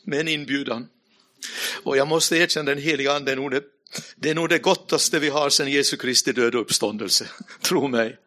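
Bright-voiced preacher telling a story. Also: male voice, mid-range voice. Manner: storytelling, addresses the audience directly; speaks in a hushed voice at dramatic moments. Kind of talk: sermon with personal testimony.

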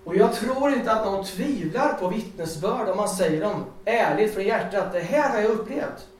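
Man, high voice, casual preacher, lively storyteller, far from the mic, booming hall echo. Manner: chatty, laughing, animated storytelling. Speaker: lay preacher. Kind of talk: informal sermon with personal testimony. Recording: echoey hall, distant mic, faint noise.

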